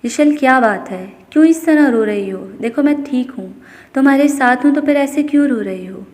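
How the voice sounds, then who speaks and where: A woman's voice: high-pitched, expressive, darkish tone, in a large hall. Woman voicing a tender devoted young husband.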